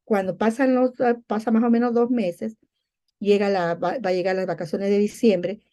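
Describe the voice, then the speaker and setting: Warm-voiced woman sharing a faith testimony. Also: mid-range voice, fairly even intonation, normal speed. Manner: heartfelt storytelling, acting out remembered conversations. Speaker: church member giving a testimony.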